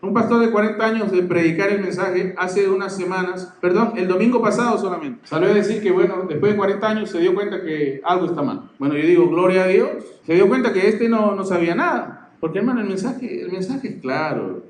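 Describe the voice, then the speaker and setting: A man's voice: sits high, brisk, hardly any pauses, slight background noise. A man with a Peruvian accent preaching a sermon, stressing his points and often asking whether the listeners see. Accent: Peruvian Spanish. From Peru. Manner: emphatic preaching, repeating words and asking ¿ve?. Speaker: pastor. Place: church hall. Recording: echoey church hall, faint ambience.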